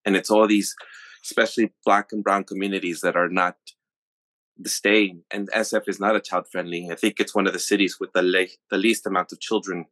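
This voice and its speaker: A man's voice: low-pitched, level tone, a little fast, a bit bright, no room sound. Earnest man on a dry mic. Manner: earnest, reflective storytelling. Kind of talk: casual podcast chat.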